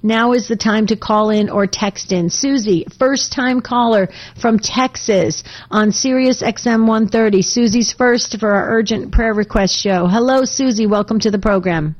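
A woman hosting a live call-in prayer radio show, her voice slightly raspy from a long day on air, earnest and often repeating words as she gathers her thoughts. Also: fairly high pitch, moderate pace, few pauses, dull audio. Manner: warm earnest, repeats words while thinking. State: tired voice from long broadcasting. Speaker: radio host.

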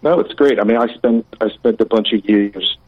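Low-voiced, reflective male radio caller. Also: no room sound, narrow, tinny audio. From United States. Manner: reflective, measured. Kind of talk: phone-in conversation.

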